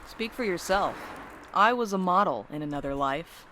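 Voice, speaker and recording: A cocky male wisecracker played by an actor with a highish, sharp-edged voice. He teases and needles in sardonic audio drama banter. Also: lively intonation, moderate pace, a little hiss or hum. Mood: teasing, cocky. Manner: sardonic, teasing. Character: cocky, wisecracking, sarcastic night postal worker with menace. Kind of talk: audio drama dialogue, conversational.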